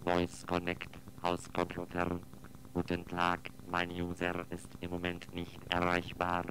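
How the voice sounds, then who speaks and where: A low, utterly flat house computer voiced by a man gives a comic answering machine message. It is robotic and emotionless. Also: unhurried, rough recording. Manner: monotone, robotic.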